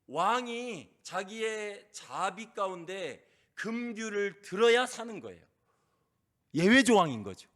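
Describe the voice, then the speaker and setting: A middle-aged man preaching a sermon as pastor, impassioned, often putting questions to the congregation and swinging from loud crying out to hushed. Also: a little high.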